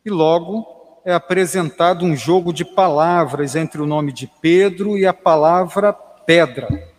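A Brazilian man moderating a Bible study, calmly reading out the questions. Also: fairly high pitch, big-room sound. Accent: Brazilian Portuguese. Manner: unhurried, reads out questions.

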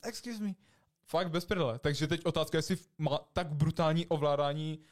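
A young man co-hosting a podcast, chatting casually in slangy, excitable talk. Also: a little high. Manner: slangy, excitable, imitates voices in stories. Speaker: podcast co-host. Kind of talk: casual chat.

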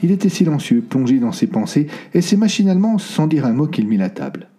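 A male audiobook narrator with a dark, mellow voice. His reading is lively and dramatic, with his pitch swinging widely from phrase to phrase. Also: fairly quick. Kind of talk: scripted narration.

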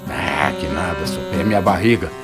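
A man's voice: low-pitched, normal speed, over loud music, lightly acted. An actor playing a careless, dismissive backwoods gunman in an audio drama. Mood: offhand.

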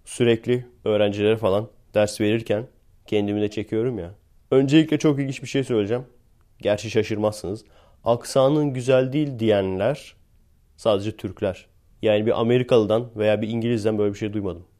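Man, from Turkey, podcast host, casual monologue, warm mellow tone, sarcastic and rambling. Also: on the low side, fairly even intonation, brisk. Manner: chatty and sarcastic, rambling with frequent laughs.

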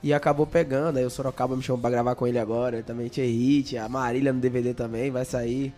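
A man's voice: mid-range voice, flat delivery, fast, warm tone. A young man from Bahia with a Bahian accent, a songwriter chatting and joking in an interview, often stammering on repeated words. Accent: Bahian Brazilian Portuguese. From Bahia, Brazil. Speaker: songwriter guest. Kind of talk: casual interview chat.

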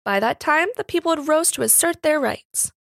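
Storybook housemaid, played by a woman: proud, indignant, uneducated speech, high voice with little creak, close and dry. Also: animated, moderate pace, no echo. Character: pert, defiant young housemaid newly come into money.

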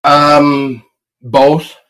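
A man's voice: on the high side, flat delivery, very slow, a bit bright. Hesitant man hosting an interview. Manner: hesitant, many fillers. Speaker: podcast host. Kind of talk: casual interview chat.

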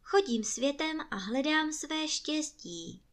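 An eager, polite young wanderer from a fairy tale, as a woman reader puts him on, speaking in a raised, bright voice. He sounds willing and earnest. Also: sits high, animated, pitched above the performer's own voice.

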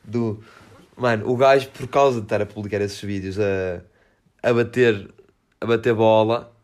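Young male podcaster, European Portuguese accent, lowish pitch, casual and enthusiastic, slangy and repetitive. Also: fairly even intonation, moderate pace, darkish tone. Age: young adult. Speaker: podcast host. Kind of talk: casual chat.

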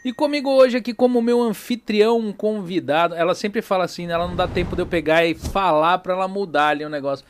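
A man's voice: high voice, quick pace, hardly any pauses, a little hiss or hum. A man hosting a podcast in a small studio, chatty and jokey, tagging his lines with little questions. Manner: chatty, jokey, fills with "né?" and "tá entendendo?". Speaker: podcast host. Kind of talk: casual podcast chat with sponsor reads.

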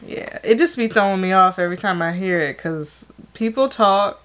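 A woman's voice: medium pitch, moderate pace, fairly bright tone. A young adult woman co-hosting a podcast, chatting casually and hesitantly with many fillers. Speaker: podcast co-host. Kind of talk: casual chat.

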